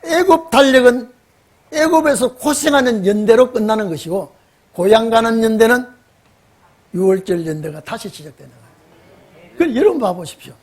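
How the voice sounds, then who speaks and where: A man's voice: very high-pitched, animated, moderate pace, pauses often. A man preaching, telling the story with acted dialogue and questioning the congregation. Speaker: pastor. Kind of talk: lively sermon with acted dialogue.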